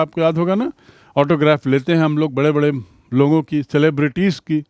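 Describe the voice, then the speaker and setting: A male English teacher giving a lesson in Hindi, reading English lines slowly and then explaining them word by word. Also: a little high, dry recording.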